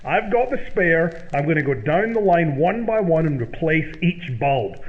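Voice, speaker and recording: An actor playing an excitable, stubborn, blustering man in an old-time radio comedy sketch. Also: on the high side, a little slow, phone-quality sound. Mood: impatient. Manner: blustering, exaggerated, old-fashioned turns of phrase.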